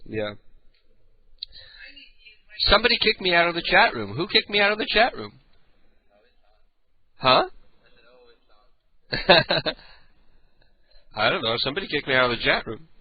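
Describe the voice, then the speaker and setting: This older man hosts late-night radio that's loose and full of swearing, his raspy, booming voice thick with sinus congestion as he rambles and clears his throat. He's very animated yet unhurried, pausing often, and the sound is lo-fi with no echo.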